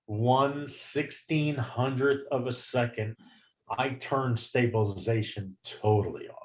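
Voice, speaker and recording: A man's voice: medium pitch, darkish tone. A man, a photography guide, chatting casually on a video meeting and explaining camera settings in a self-deprecating way. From Florida.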